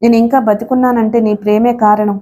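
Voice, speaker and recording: A woman voicing a devoted older husband in a wheelchair, speaking gently and pleadingly in an audiobook. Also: a little high, little pitch movement, fast, close to an everyday voice. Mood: tender. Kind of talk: audiobook character reading.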